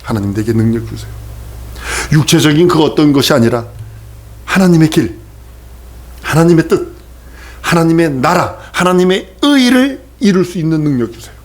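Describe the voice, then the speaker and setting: A man's voice: a little high, lively intonation, moderate pace, long pauses. A male pastor preaching a sermon with emphatic repetition, often turning to ask the congregation questions.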